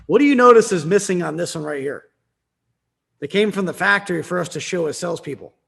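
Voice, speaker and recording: A man's voice: high voice, lively intonation, quick pace, vocal fry, fairly bright tone. A man leading a sales training session, quizzing his listeners and tagging points with "right?". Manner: quizzing the room with frequent "right?".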